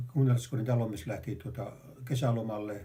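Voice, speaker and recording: A man talks at medium pitch and a moderate pace, with ordinary pitch variation. His voice is somewhat breathy, with a dark, mellow tone. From Finland, Kainuu region. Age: 80s+. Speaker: war veteran. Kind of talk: interview answer.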